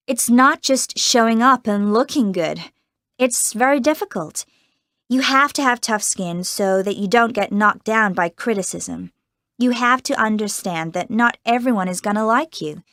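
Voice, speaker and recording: A woman playing a cheerful American teenage girl actress in a scripted interview, chatty and quick to laugh, with an American accent. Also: fairly high pitch, a bit bright, no room sound, clean studio sound. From United States. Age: teens. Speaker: young film actress being interviewed. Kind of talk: scripted exam-recording interview.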